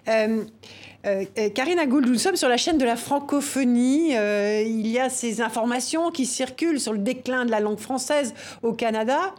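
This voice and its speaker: A woman's voice: fairly high pitch, lively intonation, normal speed, a little mellow. A woman TV interviewer asking long news-interview questions full of fillers.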